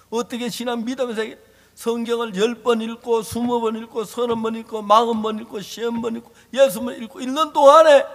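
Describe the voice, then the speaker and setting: A male pastor preaching an impassioned sermon, emphatic and repetitive, swinging from loud to hushed. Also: extremely high pitch. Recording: long hall reverb.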